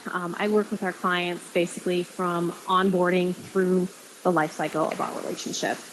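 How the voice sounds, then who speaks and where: Through noticeable background noise, a woman speaks with monotone, flat intonation. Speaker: tech company customer success director. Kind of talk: conference presentation. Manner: hesitant, many fillers.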